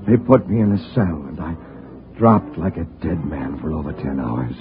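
A man's voice: extremely low pitch, lively intonation, normal speed. An actor playing a frantic young man accused of murder, stammering and pleading in a 1940s radio drama. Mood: weary. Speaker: lead character and narrator. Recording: tinny old radio broadcast with music.

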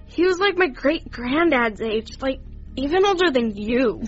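A woman's voice: high-pitched, animated, unhurried. A woman voicing a flippant young witness who talks in slang, sarcastic and drawling. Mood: sassy. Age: young adult. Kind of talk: audio drama. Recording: dull, muffled audio with faint music.

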